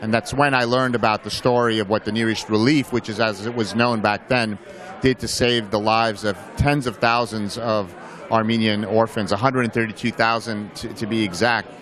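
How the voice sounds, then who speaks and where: A man's voice: fairly low pitch, steady tone, moderate pace, fairly bright tone, soft background music. A man in an interview, earnestly explaining the origins of his film and his organization's work. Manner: earnest, explanatory, some restarts. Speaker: film producer and foundation head.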